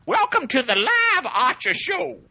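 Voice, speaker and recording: Man in a podcast chat, bright tone, pitch leaping all over, full of crude teasing jokes. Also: very animated, measured pace, creaky, no room sound. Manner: crude joking banter. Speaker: regular guest.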